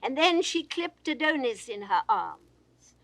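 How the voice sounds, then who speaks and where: An older woman giving a grand, theatrical reading of classical verse, swelling and then dropping to a hush. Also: high voice, sing-song, takes it slowly, no echo. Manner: grand theatrical delivery with sweeping swells and hushed falls. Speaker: poetry reader. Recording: dry 1960s studio recording.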